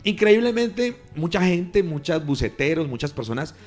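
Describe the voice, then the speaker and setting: Emphatic pastor. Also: male voice, a little high, very animated, normal speed, soft background music. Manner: emphatic, grows loud when retelling. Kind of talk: testimony in a radio interview. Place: radio studio.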